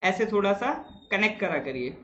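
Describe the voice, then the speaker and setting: A man's voice: high voice, lively intonation, moderate pace, pushed and bright, highs cut off. Chatty teacher man quizzing live viewers. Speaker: exam-prep teacher. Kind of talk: live online class.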